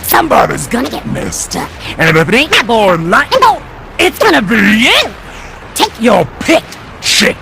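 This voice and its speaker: A woman voicing a rowdy, menacing demolition derby school bus in a game cutscene, brash and folksy, through a pitch-shifting voice changer. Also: very animated, normal speed, gravelly, very noisy. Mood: threatening. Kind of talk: animated game cutscene acting.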